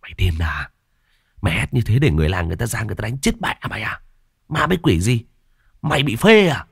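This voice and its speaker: A man voicing a grumpy, slow-witted young male thief who grumbles and curses. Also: lowish voice, sing-song, creaky, a bit bright, breathy edge, no room sound, clean studio sound, voice pushed up, full character voice. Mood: grumbling. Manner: grumbling, cursing.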